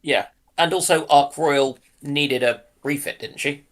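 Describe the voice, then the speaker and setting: A man's voice: on the high side, measured pace, fairly bright tone. A man chatting casually as a panelist, musing tentatively and often putting his points as questions. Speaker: co-panelist in discussion. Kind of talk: casual speculative chat.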